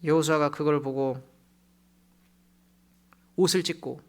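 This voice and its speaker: A pastor giving a sermon in a church, telling a story with loud emphasis that drops to hushed, low phrases. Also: steady tone, measured pace. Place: church sanctuary.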